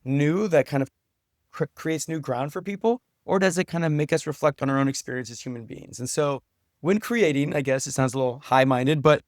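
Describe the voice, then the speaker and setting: Earnest man with a slightly high voice, dry sound. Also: a little fast, no echo. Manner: earnest, thoughtful. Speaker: podcast guest, writer and teacher. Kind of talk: reflective interview conversation.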